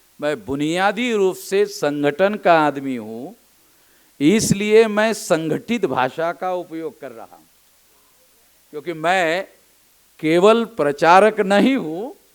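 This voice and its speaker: Lively intonation marks this man's high-pitched voice. His loudness swings widely. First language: Marathi (speaking Hindi). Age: 60s. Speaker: social movement leader. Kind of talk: public speech.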